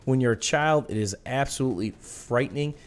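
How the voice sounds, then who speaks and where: A short-winded man with a smoker's rasp and audible breathing, casually telling personal stories over video game commentary. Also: medium pitch, a little fast. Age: adult. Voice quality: raspy smoker's-cough sound. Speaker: gaming video host.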